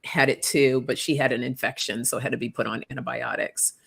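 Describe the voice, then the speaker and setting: A woman with a slightly raspy voice from a recent cough, casually co-hosting a live stream and greeting viewers by name. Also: very deep voice, steady tone, fairly quick, fairly bright tone. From Canada. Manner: easygoing, laughs often, greets viewers by name. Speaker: tarot channel co-host. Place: home room, live stream. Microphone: computer mic on a live call.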